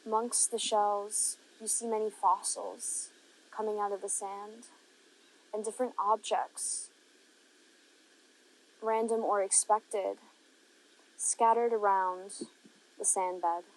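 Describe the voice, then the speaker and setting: A woman narrates a guided meditation, giving gentle, unhurried instructions separated by long pauses. Her voice is mid-range with fairly even intonation. The audio quality is poor.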